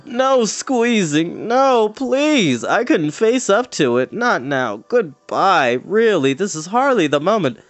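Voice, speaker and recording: A man's voice: high-pitched, very animated, no echo, pitched above the performer's own voice, full character voice. Man acting a mournful, whining fairy creature. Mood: fretful, pleading. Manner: drawn-out sighing, mournful, hesitant. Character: melancholy, whining, fretful fairy-folk creature, endlessly gloomy.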